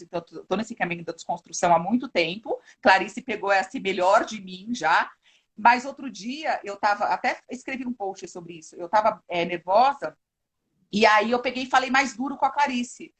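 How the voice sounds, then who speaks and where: A woman's voice: medium pitch, breathy edge. A woman with a Brazilian accent, a parenting educator chatting earnestly on a live video call and acting out quoted lines. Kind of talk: casual live chat.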